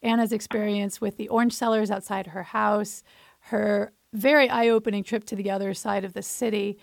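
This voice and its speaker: A woman interviewer reading out prepared questions in a clear, steady way. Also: mid-range voice, normal speed, no room sound.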